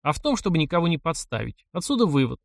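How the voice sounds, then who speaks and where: A man's voice: a little high, big pitch swings, quick pace, vocal fry, no room sound, clean studio sound. A man reading a first-person audiobook in a wry, ironic storytelling manner. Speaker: audiobook narrator.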